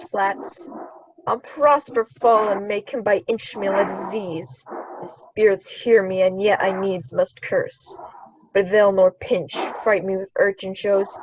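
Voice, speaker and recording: A woman plays a resentful monster enslaved on an island, cursing and fearful, in a Shakespeare radio play. The pitch is mid-range, and the recording is dull with clear noise behind it. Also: fairly even intonation, takes it slowly, lightly acted. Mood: bitter, cursing.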